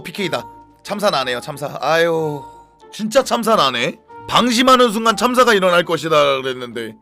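A man streaming a football match, reacting live with chatty commentary and bursts of shouting at the big moments. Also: high voice.

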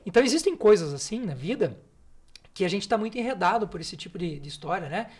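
Guy on a podcast talking fast, blunt and emphatic, swears here and there. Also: high-pitched, very animated, a little mellow, slightly rough. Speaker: guest speaker, neuroscience mentor. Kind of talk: casual podcast interview.

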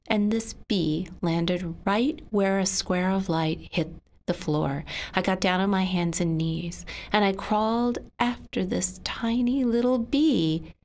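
Woman voicing a signed story; slow, soft delivery that often sinks to a whisper. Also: mid-range voice. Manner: hushed, often dropping to a whisper.

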